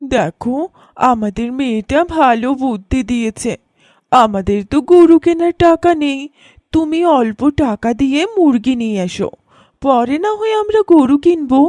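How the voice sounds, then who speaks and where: A woman's voice: high voice, animated, moderate pace, a little mellow, no room sound, clean studio sound. A woman voicing a practical, devoted farmer's wife in a cartoon story, speaking expressively. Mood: concerned.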